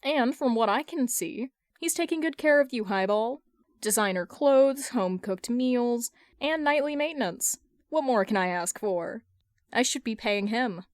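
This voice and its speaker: A woman's voice: fairly high pitch, expressive, a little slow, no echo, studio quality, voice pushed up. A woman voicing a confident, teasing businesswoman who is sweetly nonchalant and smug, in a fan fiction reading.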